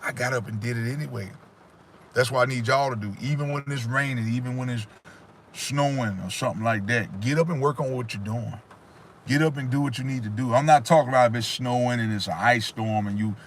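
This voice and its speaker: Speaking a little fast at a medium pitch with fairly even intonation, this livestream host delivers forceful, sermonizing life advice directly to his audience. It's casual motivational talk, picked up by a phone or webcam in front of him, with a touch of hiss or hum.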